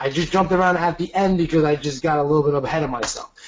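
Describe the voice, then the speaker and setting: A man's high-pitched voice in an animated tone, with ordinary pitch variation. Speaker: ads trainer. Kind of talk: live webinar training. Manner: fast.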